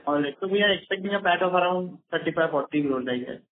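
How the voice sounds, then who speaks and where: A man's voice: high-pitched, fast. A man with an Indian accent asking questions as an analyst on a business conference call, over a telephone line. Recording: narrow tinny phone line.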